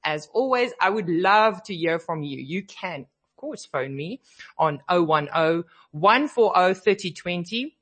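A woman's voice: lowish voice, expressive, a little slow, fairly bright tone. A woman hosting a radio show, chatting casually and a bit sleepy, her voice slightly scratchy from a cold. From South Africa. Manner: chatty, sleepy, laughs easily. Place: radio studio.

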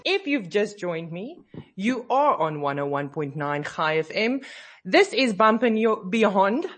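Faint music plays behind a South African woman hosting radio from the studio, her mid-range voice sing-song and unhurried. She's talkative, somewhat sleepy, laughs easily, and has a touch of cold-induced scratchiness.

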